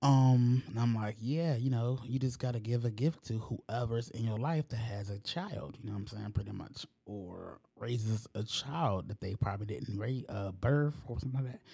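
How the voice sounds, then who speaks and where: This man's pitch sits in the medium range. His voice is somewhat breathy. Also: ordinary pitch variation, moderate pace. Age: 30s. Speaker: podcast host. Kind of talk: casual chat. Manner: casual, filler-heavy.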